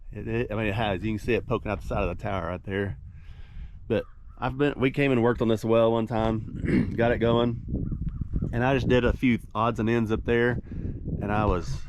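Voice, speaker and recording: A man, stuffy and nasal from a cold, chatting casually and rambling in a folksy way as he works on a windmill outdoors. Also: fairly low pitch. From Oklahoma. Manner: rambling, folksy, self-deprecating. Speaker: windmill repairman. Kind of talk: casual vlog narration. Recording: noisy outdoor recording.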